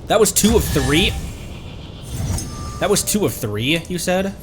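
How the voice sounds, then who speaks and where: Animated male game streamer. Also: high voice, a little slow. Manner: chatty, thinking aloud. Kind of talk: casual livestream game commentary. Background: faint game music.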